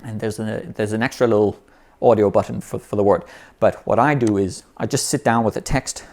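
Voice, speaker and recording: Man, lowish voice, relaxed explainer, restarts phrases, says "you know" a lot. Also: a little fast. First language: English. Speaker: language learning teacher. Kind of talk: unscripted explanatory talk.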